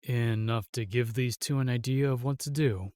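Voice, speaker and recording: A man's voice: mid-range voice, fairly even intonation, darkish tone, no room sound, lightly acted. Man acting a steadfast royal guard, close and dry. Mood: calm, resolute. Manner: formal, measured, reassuring. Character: steadfast, protective male royal guard, formal and earnest. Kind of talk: fantasy audio drama acting.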